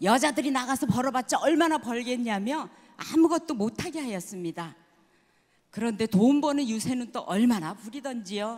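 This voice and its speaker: Lively intonation and a moderate pace from a woman with a high-pitched voice. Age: 70s. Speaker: network marketing distributor. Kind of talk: promotion ceremony speech. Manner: formal.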